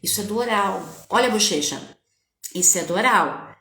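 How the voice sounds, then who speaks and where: A woman parenting coach giving a casual live-stream talk, speaking straight to her viewers in a lively, conversational way. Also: medium pitch, moderate pace. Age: adult with a child. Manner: animated, conversational, addresses viewers directly. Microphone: webcam or phone on a live stream. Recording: echoey room.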